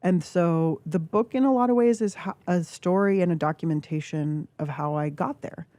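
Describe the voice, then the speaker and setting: A woman in her forties talks through her thoughts slowly and candidly, with plenty of filler words. Her voice sits low and mellow. The studio mic sounds close and dry. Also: no echo. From California. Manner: reflective, halting, with filler words. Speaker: guest author. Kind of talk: candid radio interview. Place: radio studio. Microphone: studio microphone.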